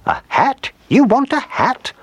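A kindly old woman, put on by a man, whose voice flutes up into a high, husky falsetto. She dotes on every word in a close, dry storybook reading. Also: sing-song, takes it slowly, no echo, full character voice. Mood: delighted.

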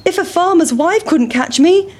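A woman voicing a small, boastful runaway pancake in a high, taunting voice. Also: expressive, normal speed, a little mellow, slight background noise. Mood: defiant.

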